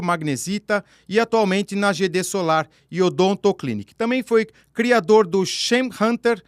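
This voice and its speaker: A man hosts a radio talk show, his voice set noticeably high. He chats in long, winding sentences. The studio sound is dry and close. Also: no room sound. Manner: chatty, talks in long run-on sentences. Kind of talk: radio interview, reading guest bio.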